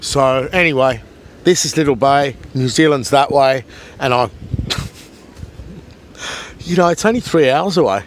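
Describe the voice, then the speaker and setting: A man's voice: mid-range voice, animated, normal speed, slight background noise. A man vlogging at a beach, rambling and taunting a commenter. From Australia. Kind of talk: rambling vlog monologue. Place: outdoors at a beach.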